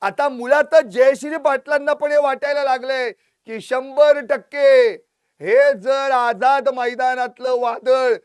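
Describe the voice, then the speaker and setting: A man's voice: very high-pitched, smooth, dry recording, clean studio sound. A man giving sarcastic, dramatic political news commentary as a commentator.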